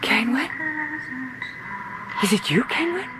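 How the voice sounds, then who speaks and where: A woman's voice: on the high side, very animated, slow, heavy background noise. An actress playing a genteel, lonely and insistent lady of the house in a radio horror play, with a hesitant, theatrical manner. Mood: dreamy, eerie.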